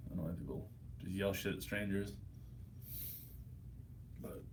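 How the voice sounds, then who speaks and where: A man's voice: low voice, normal speed, noisy background. An American man, hungover, chatting casually and profanely on a livestream as he answers his viewers. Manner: profane, blunt, slangy. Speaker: livestream host.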